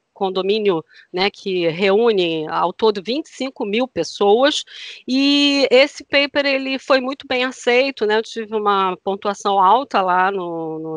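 A woman speaks at a fairly slow pace, the sound dry with no echo and the background quiet. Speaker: guest, lecturer. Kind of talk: interview answer. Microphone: headset.

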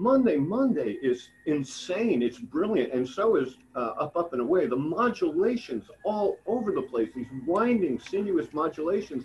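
With faint music in the background, a man talks at a moderate pace in a high voice, with very wide pitch swings and hardly any pauses. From Long Island, New York; New York. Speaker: guitarist and music teacher; interviewee. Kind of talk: casual interview chat. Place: home room.

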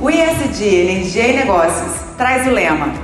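A woman's high-pitched voice with audible room echo and clear music in the background. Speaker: journalist, event host, master of ceremonies. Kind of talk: master of ceremonies stage announcement. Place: stage. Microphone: podium.

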